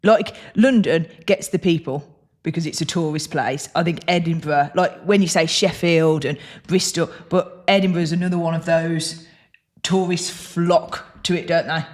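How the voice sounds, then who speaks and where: A woman's voice: fairly low pitch, moderate pace, a little mellow. A woman with a Black Country accent co-hosting a podcast in casual chat, easygoing and agreeable, often answering with short "yeah"s. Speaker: podcast co-host.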